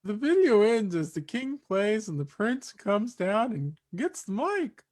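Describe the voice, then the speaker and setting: A woman's voice: mid-range voice, sing-song, measured pace, a little mellow. A woman reading stage directions as scripted narration for a staged reading.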